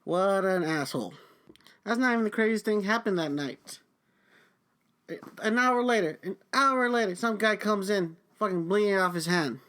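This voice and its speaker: A man's voice: high-pitched, animated, moderate pace, a bit bright. A young man hosting a podcast, venting angrily about his job in a foul-mouthed rant. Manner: heavy swearing, angry venting. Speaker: podcast host. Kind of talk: profane ranting monologue.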